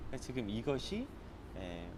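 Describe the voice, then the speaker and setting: A man's voice: mid-range voice, wildly swooping pitch, moderate pace. Man teaching scripture over traffic noise. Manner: conversational teaching with frequent filler words. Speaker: Bible study leader. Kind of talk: live morning Bible study, reading scripture and explaining.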